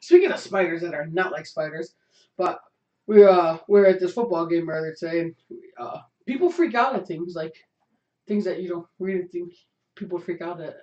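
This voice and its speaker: Hoarse joking man, echoey lo-fi webcast. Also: high voice, moderate pace, darkish tone. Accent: Chicago. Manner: joking, teasing banter. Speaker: podcast co-host. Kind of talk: casual chat. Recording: echoey room, dull lo-fi sound.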